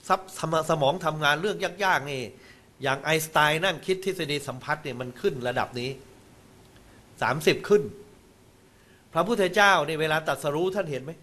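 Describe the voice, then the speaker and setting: A man with a fairly high voice gives a televised Buddhist dharma talk. He explains in a teaching manner, breaking into exclamations and sprinkling in English terms. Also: sharp tone.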